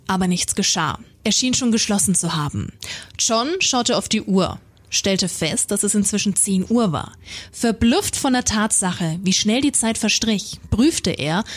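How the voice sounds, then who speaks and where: A woman co-host reading a horror story aloud in a steady, plain reading manner. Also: medium pitch, slightly rough. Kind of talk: scripted narration.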